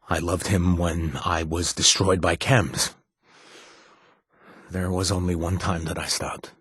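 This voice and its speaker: An actor playing a wry, self-deprecating former raider turned bartender in a video game, halting with fillers in a husky voice. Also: male voice, sits low, a bit bright, dry recording, clean studio sound, heavily acted. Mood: somber. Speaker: game companion character. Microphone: studio mic.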